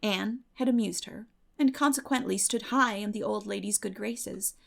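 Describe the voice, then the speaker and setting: Creaky-voiced woman narrating a story. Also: mid-range voice, moderate pace. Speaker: audiobook narrator. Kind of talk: dramatic literary narration.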